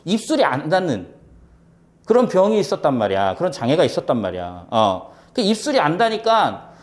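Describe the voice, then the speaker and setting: A man's voice: a little high, wildly swooping pitch, brisk. A male lecturer teaching exam prep, firing rhetorical questions and answering them himself, repeating key points for emphasis. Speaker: civil service exam Korean lecturer.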